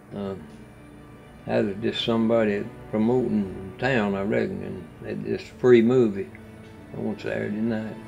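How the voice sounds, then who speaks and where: Faint music plays in the background as a man talks in a Southern US accent. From Mississippi, US South. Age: 80s+. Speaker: elderly storyteller. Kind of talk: interview answer, oral history. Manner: pleasant, unhurried. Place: home room.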